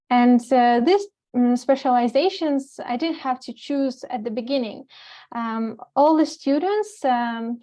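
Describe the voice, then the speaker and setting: A woman's voice: fairly high pitch, darkish tone. A woman in her twenties from Kazakhstan, giving an earnest, enthusiastic slide talk as an alumni speaker over a video call. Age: 20s.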